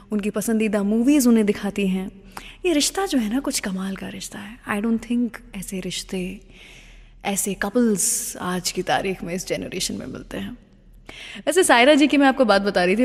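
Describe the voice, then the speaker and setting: A woman's voice: medium pitch, darkish tone, in a large hall. A woman with an Indian accent presenting a radio show in a chatty, conversational storytelling way, speaking directly to listeners and mixing in English phrases.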